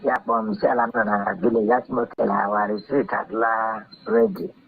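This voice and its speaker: A man answering questions haltingly in a recorded phone voice message, full of fillers and restarts. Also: fairly low pitch, flat delivery, creaky, a little hiss or hum. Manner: hesitant, halting, many fillers. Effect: played-back voice message. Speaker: party member questioned in a call. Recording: tinny phone-line voice note.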